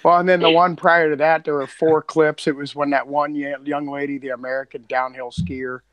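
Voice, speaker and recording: Higher-pitched man chatting on a podcast. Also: little pitch movement, fairly quick, dry recording, muffled recording. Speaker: podcast co-creator and audio editor. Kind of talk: casual podcast chat.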